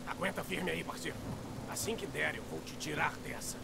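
A man's voice: a little high, brisk, gravelly, heavy background noise. A man with a Brazilian accent voicing a small, grumpy, sarcastic raccoon mercenary in a video game. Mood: soothing, coaxing. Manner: snarky, complaining. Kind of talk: dubbed video game dialogue.

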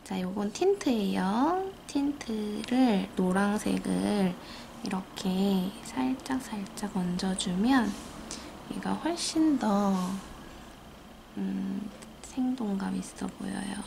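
A woman's voice: medium pitch, slow pace, creaky. A woman with a Gyeongsang Korean accent chatting casually as she teaches nail art by hand. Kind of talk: casual hands-on tutorial chat. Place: indoor nail art studio. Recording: noisy room, steady background noise.

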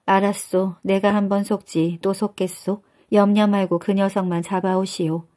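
Brief: a woman playing a sharp-tongued old wife from a folktale, loud and retorting, mellow voice. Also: mid-range voice, flat delivery, moderate pace, lightly acted. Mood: urging.

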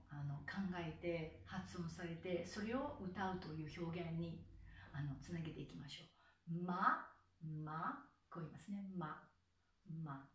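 A woman's voice: on the low side, reverberant, recorded from a distance. A woman, a soprano, giving a pronunciation lesson and patiently sounding out syllables one by one. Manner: patient, slow demonstrative enunciation of syllables. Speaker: soprano and singing teacher.

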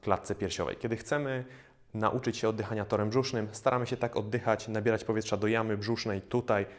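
Calm low-voiced man explaining exercises. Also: brisk. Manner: calm explanatory, frequent hesitation fillers. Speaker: fitness trainer. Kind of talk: instructional exercise video. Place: bare indoor studio room.

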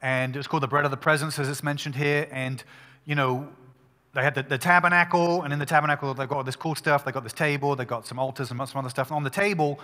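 A male pastor preaching a sermon at a pulpit microphone, talking in an emphatic, conversational way with quick restarts. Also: fairly high pitch, steady tone, sharp tone, in a large hall.

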